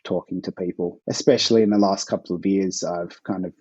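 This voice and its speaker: An Australian man, an author guest, talking in a relaxed, hesitant way with plenty of fillers. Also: low voice, a little fast, slightly rough, no echo, muffled recording. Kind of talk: casual interview chat.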